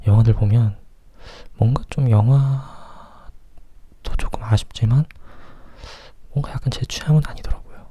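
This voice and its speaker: Man leaning in to whisper, very dark voice. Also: medium pitch, a little slow, breathy edge, muffled recording. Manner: soft close-up whispering, as if leaning in to the mic. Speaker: movie review host. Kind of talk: whispered ASMR movie chat. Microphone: close microphone.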